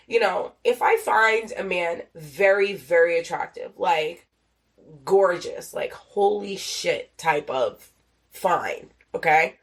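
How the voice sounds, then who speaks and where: Chatty young woman, nasal from a cold. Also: medium pitch. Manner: rambling, swears a lot, many fillers. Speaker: podcast host. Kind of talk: casual solo podcast chat.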